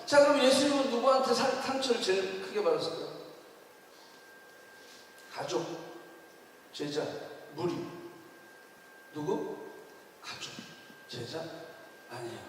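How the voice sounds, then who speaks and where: A man's voice: sits high, unhurried, pauses often, a bit bright, a little hiss or hum. A male pastor preaching a sermon. He speaks emphatically, asks his listeners frequent rhetorical questions and slips English words into his talk. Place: church sanctuary. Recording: echoey hall, distant mic.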